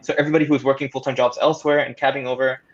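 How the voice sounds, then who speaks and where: A man's voice: medium pitch, little pitch movement, rapid-fire. Articulate man, slightly dull lo-fi sound. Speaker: audio drama producer on a panel. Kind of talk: casual panel discussion.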